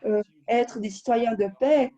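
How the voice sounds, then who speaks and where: A woman interpreter with a somewhat high, husky, mellow voice, translating a conference live and now and then hesitating over a word. The sound is dull and lo-fi, as over an online call. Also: a little slow. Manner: hesitant, with restarts and fillers while interpreting. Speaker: simultaneous interpreter.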